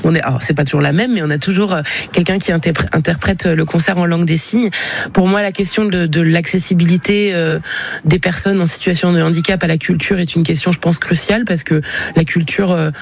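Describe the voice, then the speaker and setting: A woman's voice: fairly low pitch, fairly even intonation, fairly quick, vocal fry, husky. A woman of about forty, a singer, answering radio interview questions frankly and animatedly, with many fillers and restarts. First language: French.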